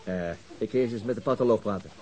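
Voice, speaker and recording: A man's voice: lowish voice, fast, dark tone, lightly acted. A man playing a thoughtful, methodical police detective who muses aloud in a Dutch radio drama. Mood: doubtful.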